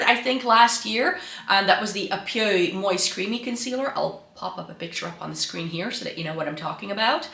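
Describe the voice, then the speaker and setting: A woman's voice: medium pitch, pushed and bright, echoey room. Congested woman from the Netherlands, chatty. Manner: chatty, with frequent ums and restarts. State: congested and slightly raspy from flu. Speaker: beauty vlogger. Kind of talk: casual chat to camera. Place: home room by a Christmas tree. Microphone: camera mic, set some way off.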